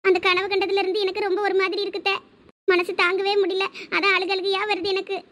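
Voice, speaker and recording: A woman's voice: very high-pitched, level tone, quick pace, fairly bright tone. A woman voicing a frightened, tearful young daughter-in-law in a cartoon with a Thoothukudi Tamil accent. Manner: tearful, fearful.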